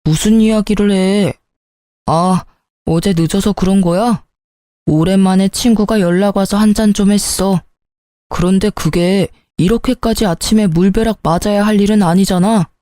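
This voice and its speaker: Casting: a woman doing a sulky, defensive husband for a storybook drama, self-justifying, mellow and dry-sounding. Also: medium pitch, fairly even intonation, normal speed, dry recording, close to an everyday voice. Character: irritated married man, hungover and defensive.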